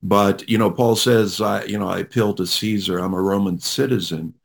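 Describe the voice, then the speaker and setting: A man speaking as a ministry leader guest in an interview, halting with many fillers but friendly. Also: lowish voice, steady tone, vocal fry.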